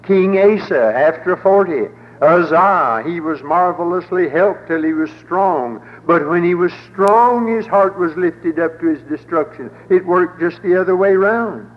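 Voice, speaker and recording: A man's voice: high voice, unhurried, few pauses. An older man preaching a sermon with a folksy, wry humor and a rolling preacher's cadence. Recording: dull old broadcast in a reverberant hall.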